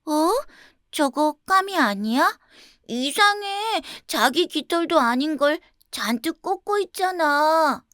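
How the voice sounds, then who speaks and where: Lady doing a tiny forest bird, squeaky high, exclaiming and blunt, kids story style. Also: expressive, takes it slowly, fairly bright tone, no room sound, clean studio sound, heavily acted. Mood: startled, disapproving. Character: chattering small forest birds, wide-eyed and frank.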